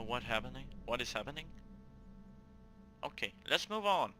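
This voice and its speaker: A man's voice: mid-range voice, sharp tone, a little hiss or hum, rough recording. A man hosting a gaming video, reading a visual novel aloud theatrically, stumbling over words and talking to himself between lines.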